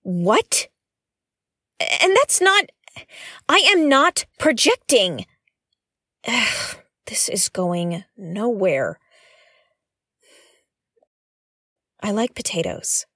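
A woman's voice: medium pitch, big pitch swings, takes it slowly, pauses often, pushed and bright, husky, dry recording, clean studio sound, heavily acted. A woman playing a blunt, suspicious space explorer in a science-fiction audio drama, with an exasperated, sarcastic and emphatic delivery. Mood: frustrated.

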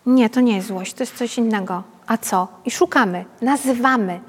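Long hall reverb surrounds a woman's slightly high, breathy-edged voice as she talks at a moderate pace. She is a pedagogue leading a parenting workshop, keeping things informal and chatty and regularly checking in with listeners through tag questions.

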